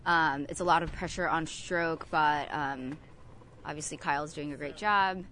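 A woman's voice: deep voice, normal speed, bright, forceful tone, a little hiss or hum. A young woman who coxes a college rowing team, answering interview questions with lots of fillers. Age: young adult. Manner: lots of um fillers, chatty and upbeat.

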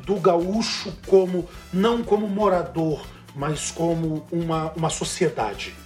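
A man from Northeast Brazil with a Northeastern Brazilian accent, chatting casually and enthusiastically, sometimes trailing off as he searches for words. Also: a little high. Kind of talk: casual chat.

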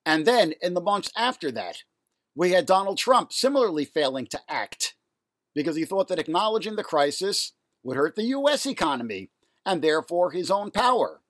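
A man hosts a solo rant from his apartment, his voice raspy and nasal because he is ill and congested. He sounds indignant and fed up, pitched a little high for a man, and the recording is close and dry with no room sound. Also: very animated, normal speed, a bit bright, no room sound. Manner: angry, indignant ranting. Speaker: podcast host. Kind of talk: solo ranting monologue. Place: home apartment.

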